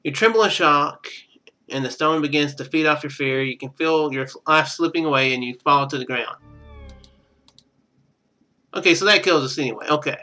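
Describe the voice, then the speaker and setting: A man with a slightly high, bright voice commentates casually on a game he is streaming. He thinks out loud, muttering to himself, and reads the on-screen text as he goes. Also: normal speed, pauses often.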